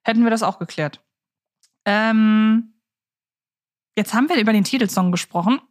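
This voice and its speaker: A woman's voice: a little high, normal speed. A woman co-hosting a podcast in casual conversation, phrasing things in a wordy, slightly formal way with hesitations. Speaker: podcast co-host.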